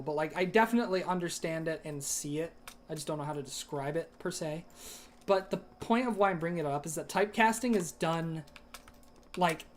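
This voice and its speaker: A man's voice: on the high side, a little hiss or hum. A young man streaming a game, chatting casually and rambling through ideas with a dry throat. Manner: rambling, lots of fillers and restarts. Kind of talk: casual gaming stream chat.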